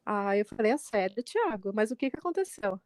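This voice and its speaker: Animated mother telling a story. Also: brisk, dry recording, studio quality. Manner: animated retelling, quotes her son with pitch jumps. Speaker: podcast co-host, mother. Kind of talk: casual storytelling chat.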